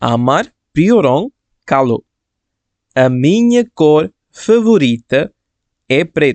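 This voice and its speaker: In a Bengali accent, a man speaks very slowly at a fairly high pitch, with very wide pitch swings. He leaves long, frequent pauses, and the sound is dry and close with no echo. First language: Bengali (speaking Portuguese). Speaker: language teacher. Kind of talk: tutorial.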